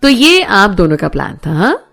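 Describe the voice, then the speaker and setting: A woman's voice: mid-range voice, sing-song, moderate pace, vocal fry, a bit bright, faint music behind, heavily acted. A woman voicing a young woman on her birthday, grateful and playful with her boyfriend and cousin.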